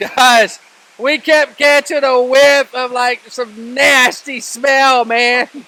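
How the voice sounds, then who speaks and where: A raised, projected voice speaks with an American accent. Noticeable background noise is present. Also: man. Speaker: YouTuber. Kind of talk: vlog. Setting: outdoors. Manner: animated.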